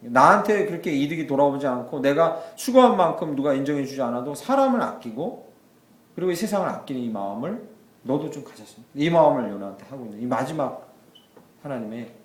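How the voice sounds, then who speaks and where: A man's voice: mid-range voice, animated, a little fast, reverberant. A male pastor preaching a sermon, telling the story with animation and acting out the characters' voices.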